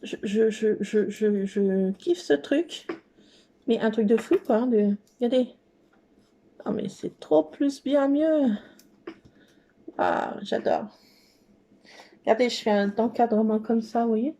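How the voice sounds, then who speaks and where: A woman's voice: fairly high pitch, steady tone, normal speed, warm tone. A woman hosting a scrapbooking channel, chatting casually and gushing as she works at a craft table and talks to herself along the way. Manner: bubbly, gushing. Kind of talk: casual craft tutorial chat.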